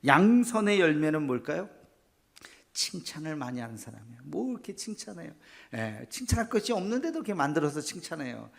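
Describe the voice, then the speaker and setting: A man's voice: a little high, big pitch swings, fairly quick, vocal fry. A middle-aged man preaching a sermon as pastor, asking the congregation questions and acting out little scenes.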